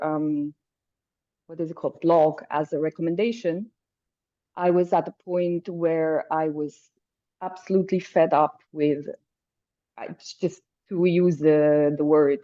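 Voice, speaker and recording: A woman's voice: fairly low pitch, warm tone, muffled recording. Hesitant German-accented woman on a call. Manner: hesitant, searching for words, laughs lightly. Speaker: caller. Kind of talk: casual group video call. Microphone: video call.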